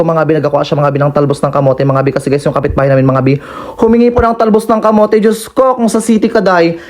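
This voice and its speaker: A man's voice: high-pitched, a little mellow. A young man from the Philippines doing a sassy, campy, comedic voice-over for his mukbang vlog. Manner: campy, sassy and teasing, with constant playful asides. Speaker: vlogger.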